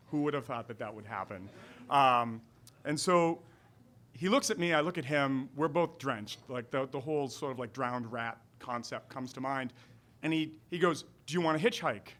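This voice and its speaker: An animated voice with an American accent, at a moderate pace, with ordinary pitch variation. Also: man, fairly high pitch for a man. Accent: Boston accent, stronger when excited. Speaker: storyteller. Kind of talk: live storytelling. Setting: stage with audience at a restaurant.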